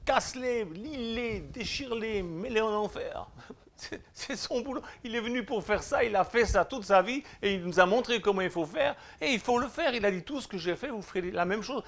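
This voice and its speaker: A man with a Swiss French accent preaching a sermon, exhorting listeners directly with informal address, swinging between loud declarations and quiet asides. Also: high voice, lively intonation, normal speed, few pauses. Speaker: pastor.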